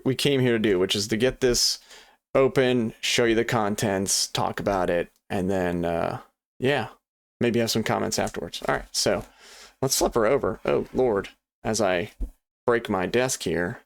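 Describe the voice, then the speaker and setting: Gravelly, rambling unboxing host, a man. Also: fairly low pitch, no echo. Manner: rambling, many fillers and restarts, chatty and apologetic. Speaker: board game channel host. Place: home desk.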